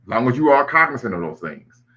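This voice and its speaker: A man's voice: mid-range voice, sing-song, fast, crowd noise. A man hosting a live online discussion, lecturing at length and citing history, with frequent restarts. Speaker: livestream host.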